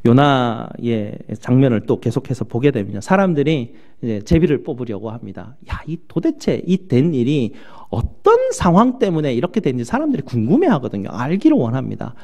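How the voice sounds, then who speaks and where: Pastor guy preaching in church, voice jumps all over, warm mellow tone, big loud bits then low asides. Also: moderate pace, hardly any pauses. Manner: animated preaching that swings between loud acted outbursts and low asides. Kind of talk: sermon.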